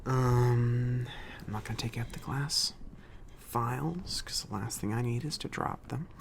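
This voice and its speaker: A gravelly, fairly low-voiced mage shopkeeper, played by a man, talks softly in an ASMR roleplay. He is friendly and a bit awkward, rambling along slowly and hesitantly as he helps a customer. There is faint noise behind the voice. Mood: friendly, helpful. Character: friendly, slightly awkward male mage running a magic shop. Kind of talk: soft-spoken ASMR roleplay, casual and improvised.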